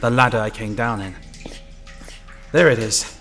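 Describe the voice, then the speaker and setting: A man's voice: lowish voice, a little slow, a bit bright. A man playing a wary lone inspector who narrates and acts out his ordeal in an audio drama, tense and dramatic. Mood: wary, urgent. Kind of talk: first-person audio drama narration and acting.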